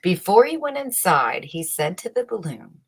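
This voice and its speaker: A woman reading a children's bedtime story aloud in a measured, dramatic storyteller's manner with emphatic phrasing. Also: lowish voice, big pitch swings, breathy edge. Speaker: storybook reader.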